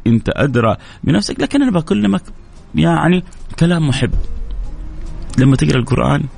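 A man's voice: on the high side, animated, fast, gravelly, darkish tone. A man preaching an emotional sermon, pleading and repeating phrases with stammered restarts.

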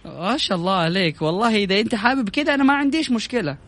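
Fast-talking high-voiced radio host. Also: male voice, a bit bright. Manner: teasing, laughs often, quick. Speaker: radio morning show co-host. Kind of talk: playful radio banter.

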